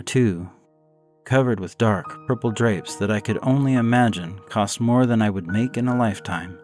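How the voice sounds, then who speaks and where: A man narrating a first-person gothic horror story in a measured, solemn way, faint music underneath. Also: fairly low pitch, darkish tone.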